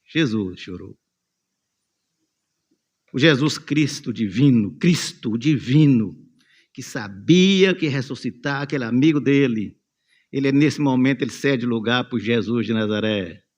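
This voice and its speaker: A man's voice: mid-range voice, a little slow, dull audio. A man with a Brazilian Portuguese accent preaching a sermon in a church, telling the story vividly and calling on listeners by name. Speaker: pastor.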